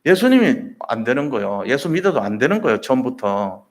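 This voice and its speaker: A male pastor preaches with a voice that rises and falls a great deal. He tells the story vividly and slips into the voices of the people in it. His pitch sits in a middle range. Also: brisk. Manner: lively storytelling, acting out voices in quotes. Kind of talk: sermon.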